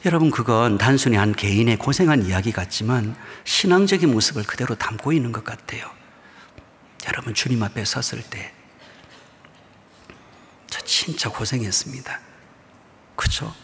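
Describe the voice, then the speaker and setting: A middle-aged pastor from Busan with a Gyeongsang accent, telling a story during a sermon and often dropping to a hushed near-whisper. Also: male voice, medium pitch, lively intonation, brisk, a little hiss or hum. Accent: Gyeongsang dialect. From Busan, South Korea. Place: church sanctuary. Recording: long reverb of a church hall.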